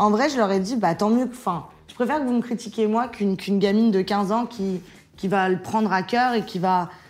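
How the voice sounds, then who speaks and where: Speaking at a fairly quick pace, a woman uses a medium pitch that varies in an ordinary way. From Azerbaijan (Baku), raised in Lyon, France. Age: 20s. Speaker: YouTuber. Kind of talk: casual chat. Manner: casual, laughs often.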